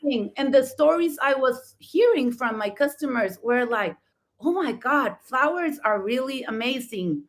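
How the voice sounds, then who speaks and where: A middle-aged woman with a Mexican accent and Spanish as her first language tells personal stories on a talk show. Her voice sits on the high side, and she speaks in an effusive, emphatic way. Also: expressive, normal speed. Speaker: talk show host and florist.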